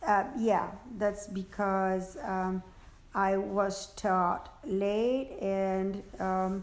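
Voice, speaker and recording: Audible room echo surrounds a woman's voice. She talks at a very slow pace with fairly even intonation. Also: medium pitch for a woman. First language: French. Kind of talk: interview. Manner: halting, many fillers and repeated words.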